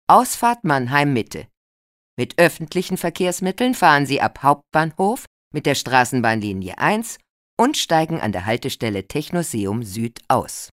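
A woman's voice: a bass voice, dry recording, clean studio sound. A woman playing a radio presenter, reading scripted event listings in an informative, carefully articulated way.

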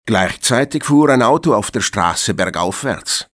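A man's voice: fairly low pitch, expressive, a little slow, a bit bright. A man playing a formal evening newsreader, delivering a scripted police report with emphasis. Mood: formal, serious. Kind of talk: scripted news bulletin.

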